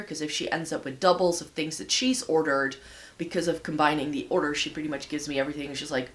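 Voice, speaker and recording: A woman with a slightly low voice and a light rasp from a cold talks in a friendly, rambling way. She thinks aloud with small pauses and fillers. She speaks from a home office. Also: a bit bright. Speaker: beauty vlogger hosting a giveaway. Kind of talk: casual chatty product showcase.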